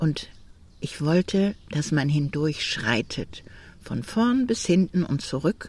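On a very clean recording with a silent background, a woman with a very deep, low pitch and a dark, mellow, somewhat breathy tone speaks very slowly with lively intonation. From northern Germany, Hamburg. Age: 70s. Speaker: garden owner, former journalist. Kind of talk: interview. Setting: outdoors on a garden terrace.

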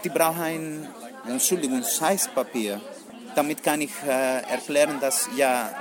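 Amid crowd noise and audible room echo, a man speaks very slowly with a Greek accent. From Greece, Crete. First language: Greek (speaking German). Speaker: sports teacher. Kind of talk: interview. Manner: halting.

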